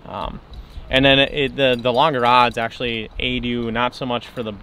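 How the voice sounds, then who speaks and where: A man's voice: medium pitch, flat delivery, moderate pace, pushed and bright, slight background noise. A young man, a fishing guide, explaining gear in a casual outdoor interview on a boat, with fillers and restarts.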